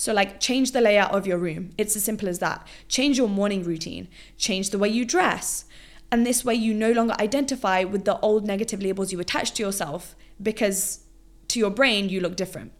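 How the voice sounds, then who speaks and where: Fairly quick and at a medium pitch with ordinary pitch variation, a woman talks in a plain, everyday voice on a very clean recording with a silent background. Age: 20s. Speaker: podcast host. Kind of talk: solo self-help monologue.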